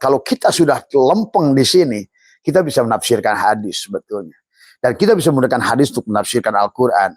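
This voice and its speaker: An older man preaches in a lower-pitched voice, giving a religious teaching talk. He rambles, restarts his sentences and leans on fillers, slipping in Arabic quotations as he goes. The recording is close and dry, with almost no room sound. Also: dry recording. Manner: quotes Arabic phrases. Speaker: Islamic preacher.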